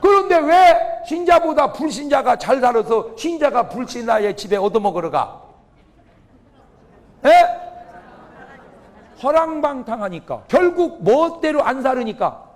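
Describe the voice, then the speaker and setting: A man's voice: very high voice, big pitch swings, a little slow, long pauses. A male pastor giving a humorous revival sermon, firing questions at the congregation and exclaiming. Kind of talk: revival sermon with audience call-and-response. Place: church or large auditorium before a congregation.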